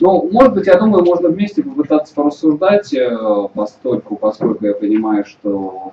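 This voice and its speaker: Light background noise and audible room echo surround the voice. A man talks at a moderate pace. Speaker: guest lecturer. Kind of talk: lecture. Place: meeting room. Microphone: camera far.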